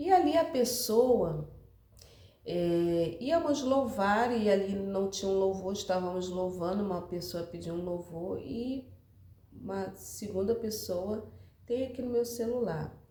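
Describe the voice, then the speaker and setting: A woman talks at a medium pitch and a very slow pace, with lively intonation. Audible room echo surrounds her voice. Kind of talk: religious talk and testimony.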